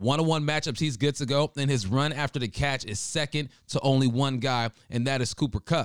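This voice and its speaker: With an animated tone and lively intonation, a man of medium pitch talks at a moderate pace in a dry, close sound with no echo, on a very clean recording with a silent background. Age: 30s. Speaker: podcast host, former NFL wide receiver. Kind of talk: casual sports talk monologue.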